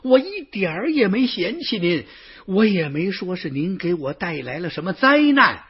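A man's voice: high voice, sing-song, moderate pace, breathy edge, full character voice. A man voicing an earnest allied chieftain who pleads and explains his plan. Dull lo-fi recording.

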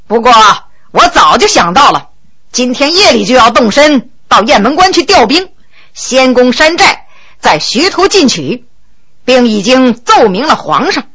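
A woman voicing a proud, quick-tempered high-ranking male minister with a commanding way of talking. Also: sing-song, fairly bright tone, breathy edge, full character voice. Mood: amused, condescending. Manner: commanding, booming laughs.

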